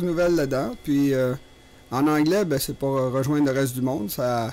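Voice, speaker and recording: Talking very fast, a man uses a fairly high pitch. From Quebec. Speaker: political commentator and video author. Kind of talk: radio talk show interview. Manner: hesitant, many fillers.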